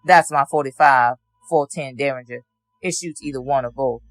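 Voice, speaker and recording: A man's voice: mid-range voice, normal speed, a bit bright, dry recording, faint music behind. A man testifies as a witness in a formal question-and-answer setting. His answers are plain and matter-of-fact. The sound is dry, with very little room around the voice. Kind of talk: courtroom testimony.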